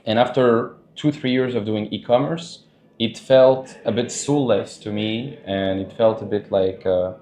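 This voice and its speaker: A man talking casually as a podcast guest, loose and chatty, laughing often and filling pauses with "like" and "you know". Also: fairly low pitch, warm tone, reverberant. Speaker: podcast guest, dating coach. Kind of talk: casual interview talk.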